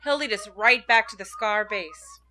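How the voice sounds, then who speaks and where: A woman's voice: medium pitch, moderate pace, bright, forceful tone, faint music behind, close to an everyday voice. An actress playing a brash, tough-talking young woman aviator in an old-time radio serial. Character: bold young woman aviator leading a squad.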